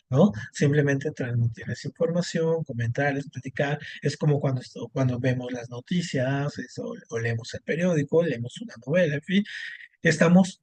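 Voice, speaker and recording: A man's voice: mid-range voice, a little mellow, no room sound. Man teaching a class. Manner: explanatory, frequent "¿no?" and "este" fillers. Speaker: Spanish language teacher. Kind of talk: online class lecture.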